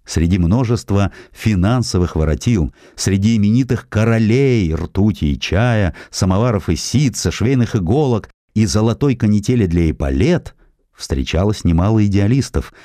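A man reading a scripted historical narrative as an audiobook narrator, in an expressive, measured storytelling manner. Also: sits low, no echo, clean studio sound.

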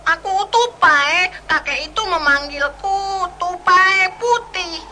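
A woman's voice: very high-pitched, takes it slowly, very noisy. A woman voicing a kind, chatty talking white squirrel in a storytelling drama, playful and fussy, tripping over her words. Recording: music playing behind the voice.

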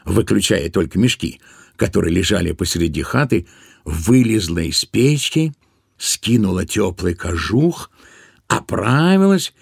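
A man's voice: sits low, sing-song, unhurried, gravelly, slightly rough, no room sound. A man narrating a literary tale as an audiobook storyteller, expressively and with playful, wry intonation. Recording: studio audio drama with music behind. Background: music.

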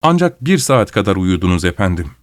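A man voicing a calm, cold manservant who patiently explains things. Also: deep voice, a little fast, dry recording. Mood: cool. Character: cool, superior manservant who is secretly a good angel.

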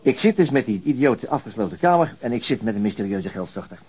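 A man's voice: mid-range voice, very animated, fast, a little mellow, slight background noise. An actor playing a dry, pensive male police detective in a radio play, speaking in a matter-of-fact, musing way. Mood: wry, musing. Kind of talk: naturalistic radio play dialogue.

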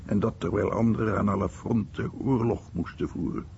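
Very gravelly, low-voiced war veteran. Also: male voice, normal speed, a little mellow. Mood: disgruntled. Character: disgruntled male war veteran recalling missions. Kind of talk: radio documentary-drama monologue. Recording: dull recording with faint noise.

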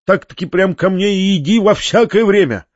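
Fussy older landowner, flustered and pleading, read by a man, high, dry muffled audiobook. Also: no room sound. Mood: eager. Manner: flustered, pleading, quick-talking. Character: fussy, kindly older male landowner uncle. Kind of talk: audiobook character reading.

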